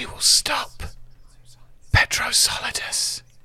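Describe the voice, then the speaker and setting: Someone whispers in a put-on character voice at a very slow pace. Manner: whispering.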